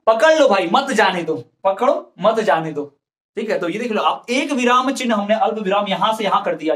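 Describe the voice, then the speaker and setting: A man's voice: high voice, a bit bright. A man teaching an exam-prep lesson, explaining patiently with examples and repeating key terms.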